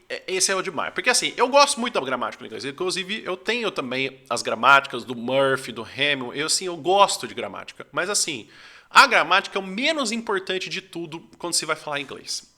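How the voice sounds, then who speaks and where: A young man from Brazil explains his teaching in a loose, chatty lesson. His voice sits high and very bright, and his pitch moves a lot, rising and dipping as he makes his points. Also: sing-song, brisk. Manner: conversational, lots of fillers like "tipo assim". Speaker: English teacher. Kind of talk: casual talking-head lesson.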